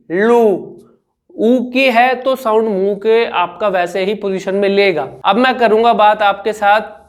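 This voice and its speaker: High-voiced man teaching speech sounds. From India. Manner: demonstrates sounds by repeating syllables. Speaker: speech coach. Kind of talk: speech therapy lesson.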